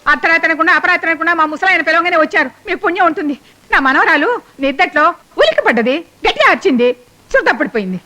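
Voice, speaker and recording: An actress playing a fiery, sharp-tongued old grandmother who scolds and mocks in rapid bursts. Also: extremely high pitch, animated, heavily acted. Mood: anxious. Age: older. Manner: scolding, mocking, rapid-fire insults. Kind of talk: film comedy acting.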